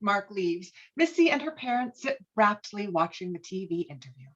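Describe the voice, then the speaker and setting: A woman's voice: medium pitch, big pitch swings, normal speed, a bit bright, lo-fi sound. A woman reading screenplay stage directions as scripted narration, on video-call audio.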